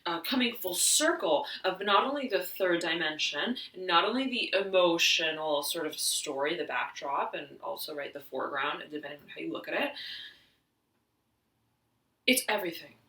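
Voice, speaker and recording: A slightly hoarse woman reads tarot cards in a bright, forward voice, often clearing her throat. Her talk wanders through fillers and restarts. She sounds a little off-mic in an echoey room. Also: lowish voice, expressive, normal speed, recorded from a distance. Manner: meandering, many fillers and restarts; keeps repeating "I'm hearing". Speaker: tarot reader. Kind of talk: spiritual reading to camera.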